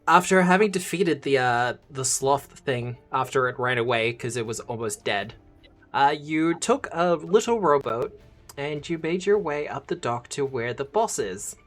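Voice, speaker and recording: A man's voice: medium pitch, lively intonation, a little slow, fairly bright tone, soft background music. A man as game master, recapping the last tabletop session in a chatty way with laughing asides.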